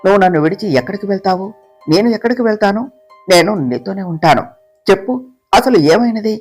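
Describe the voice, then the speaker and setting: A storyteller voicing a loving young husband who comforts and reassures his wife, soft guitar playing behind. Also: mid-range voice, expressive, fairly quick, natural voice. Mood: tender. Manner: tender, coaxing. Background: soft guitar music.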